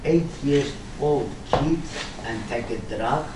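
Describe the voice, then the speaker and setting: A middle-aged man with a Kurdish accent, asking questions at a community meeting in halting, broken English. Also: mid-range voice. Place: meeting room, seated around tables. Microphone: distant camera microphone. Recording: roomy, distant mic, noisy room.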